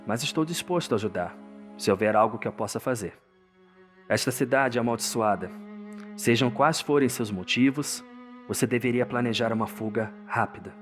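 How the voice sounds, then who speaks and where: Faint music sits behind a man playing an ailing foreign townsman in a dark fantasy audio drama. He sounds weary and resigned, yet courteous and eager to help as he warns the listener. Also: medium pitch, lightly acted. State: chronic cough, ailing. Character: sickly, weary, helpful foreign townsman named Gilbert.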